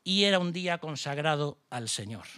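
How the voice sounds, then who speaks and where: A man's voice: on the high side, expressive, moderate pace, sharp tone, clear, resonant tone, no room sound. A middle-aged man from Spain preaching a sermon with a Spanish accent, passionate, firing off rhetorical questions and mocking asides. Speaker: pastor.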